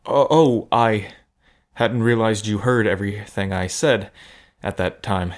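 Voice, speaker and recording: Man acting an earnest, low-voiced gambler. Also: measured pace, lightly acted. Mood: flustered, tender. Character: earnest, awkward young male gambler, protective and smitten. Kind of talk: audio drama acting.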